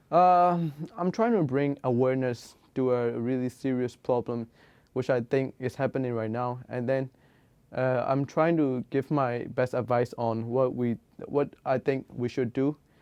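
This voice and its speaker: The speaker has a Burmese accent and a fairly slow pace. Intonation stays fairly even. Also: man, medium pitch for a man. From Myanmar, Yangon. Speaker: community initiative founder. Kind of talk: interview. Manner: halting, many fillers and self-corrections.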